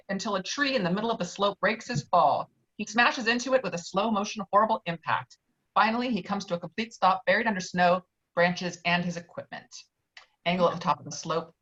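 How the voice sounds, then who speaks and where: A woman's voice: mid-range voice, a little fast, fairly bright tone. Woman narrating a screenplay, slightly dull sound. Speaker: narrator reading stage directions. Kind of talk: scripted narration at a virtual table read. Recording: dull, lo-fi online call.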